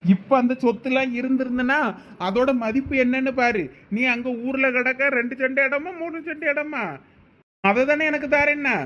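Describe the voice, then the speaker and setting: A man plays a wronged middle-aged brother in a cartoon family feud, speaking with a Thoothukudi Tamil accent. His voice sits very high, and he argues loudly and will not back down. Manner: loud, insistent arguing. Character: aggrieved middle-aged brother, father of two daughters. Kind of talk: cartoon family drama voice acting.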